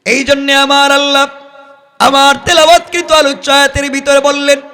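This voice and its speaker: Male Islamic preacher, high bright voice, exclamatory and dramatic storytelling delivery. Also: little pitch movement, moderate pace. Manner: exclamatory, calls on listeners to respond and pay attention. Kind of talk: impassioned sermon with dramatic storytelling and melodic scripture recitation.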